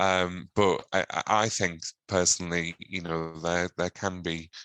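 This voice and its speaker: A man's very deep, low voice with a slight northern English accent, bright and sharp in tone, flat and monotone, at a fairly slow pace, on a very clean recording with a silent background. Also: dry, close sound with no echo. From northern England, Yarm near Middlesbrough. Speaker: patent attorney, committee chair. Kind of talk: podcast interview.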